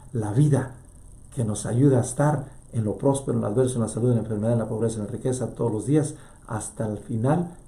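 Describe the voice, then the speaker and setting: Male priest, sermon; fervent, rises loud then drops to a hush; warm gravelly voice, roomy echo. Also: medium pitch. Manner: fervent preaching that swings from loud to hushed.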